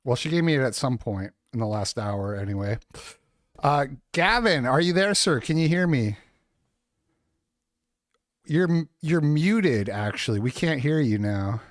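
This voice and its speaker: A man's voice: mid-range voice, lively intonation, measured pace, pauses often, dry recording. Easygoing man hosting, dry sound. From Saskatchewan, Canada. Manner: easygoing, chatty, laughs often. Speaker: podcast host. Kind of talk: casual livestream chat. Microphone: remote call setup.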